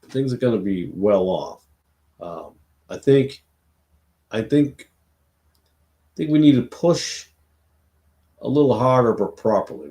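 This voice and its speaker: A man's voice: medium pitch, warm tone. A man hosting a late-night Christian livestream, congested and tired, rambling with many fillers and restarts.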